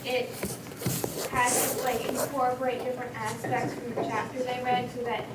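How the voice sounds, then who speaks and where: A teenage female student with an American accent, speaking haltingly and casually in a class discussion. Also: on the high side, little pitch movement. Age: teens. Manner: hesitant, halting. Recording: echoey room, distant mic, loud noise.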